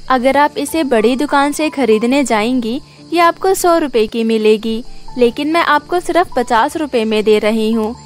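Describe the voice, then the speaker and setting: A high, sweet cartoon voice of a poor, kind-hearted young street girl, acted out by a woman storyteller. She talks earnestly and humbly, like a young seller trying to get by. Music plays along behind her. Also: moderate pace, natural voice. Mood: pleading. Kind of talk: cartoon moral story character acting.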